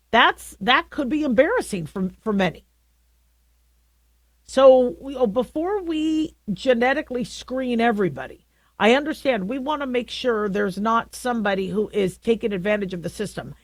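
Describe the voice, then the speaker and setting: A middle-aged woman with a deep voice hosting a talk radio show, talking through her views in a conversational way with frequent restarts. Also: expressive, no echo. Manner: conversational, halting with many restarts. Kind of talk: opinionated talk radio monologue.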